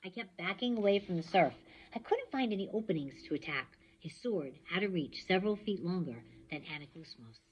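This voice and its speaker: A woman reading a novel aloud with expressive storytelling. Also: on the low side, a little fast, highs cut off, a little hiss or hum. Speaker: reader.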